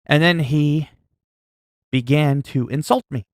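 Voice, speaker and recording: A man hosting a livestream, chatting loudly in a mock-stern, profane way with quick swings in volume. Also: a little high, dry recording, studio quality. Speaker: livestream host. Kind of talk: casual livestream chat.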